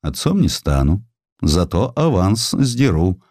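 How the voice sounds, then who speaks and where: A shrewd, grandiloquent lawyer of old Russia, acted out by a male narrator for an audio drama. His deep voice swings widely in pitch as he declaims bluntly and rhetorically, in a close, dry sound. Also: big pitch swings, takes it slowly, a little mellow, no room sound, exaggerated voice. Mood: brusque, haggling.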